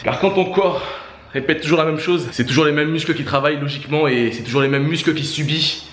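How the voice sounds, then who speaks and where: A man's voice: a little high, quick pace, a bit bright. A man talking casually to his viewers between sets of push-ups, urging them on like friends in a fitness challenge video. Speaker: YouTuber doing a fitness challenge. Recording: echoey room with faint background noise.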